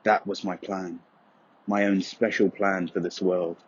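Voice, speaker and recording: Low, husky man narrating solemnly. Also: flat delivery, no echo, lo-fi sound. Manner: brooding, solemn, measured delivery. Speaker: voice-over narrator. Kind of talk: scripted dramatic narration of dark poetic prose.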